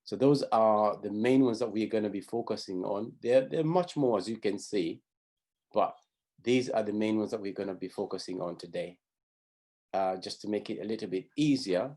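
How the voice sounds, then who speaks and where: Low, mellow-voiced man teaching a class. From Zambia. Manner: explanatory, repeats and restarts phrases. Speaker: pathfinder honour instructor. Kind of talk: teaching a class over video.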